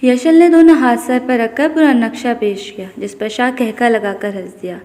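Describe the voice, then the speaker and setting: A woman narrating a romance novel in a steady storytelling manner. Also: a little high, big-room sound. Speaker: audiobook narrator.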